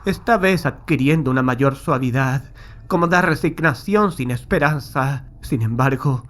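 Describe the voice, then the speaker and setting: A man's voice: mid-range voice, unhurried, fairly bright tone. A man narrating a horror audiobook in the first person, with a solemn, literary, dramatic delivery.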